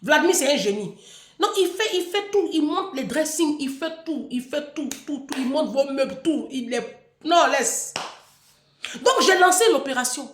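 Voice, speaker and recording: High-pitched woman scolding her followers. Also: expressive, normal speed, roomy sound. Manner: scolding, emphatic, repeats words. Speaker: online personality addressing followers. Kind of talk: unscripted livestream monologue.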